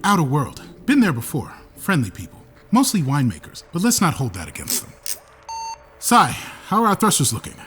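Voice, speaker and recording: A brash male starship captain for a sci-fi audio drama. He commands with wry, playful teasing and swings widely in pitch. Prominent music plays behind him. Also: huge pitch swings, a little fast, fairly bright tone. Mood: dry, firm.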